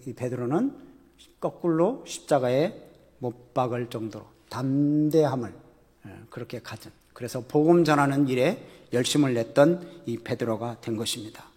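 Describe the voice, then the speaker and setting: A man's voice: medium pitch, expressive, moderate pace, warm tone, big-room sound. A man, a pastor, preaching a sermon conversationally with rhetorical questions to the congregation.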